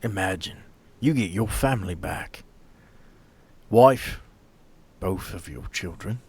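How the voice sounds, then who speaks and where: A man voicing a friendly, courteous stranger in a tabletop game, smooth-talking and folksy as he offers a deal. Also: low-pitched, expressive, slow, darkish tone, dry recording, heavily acted. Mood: smooth, persuasive. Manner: genial, folksy, courteous salesman patter.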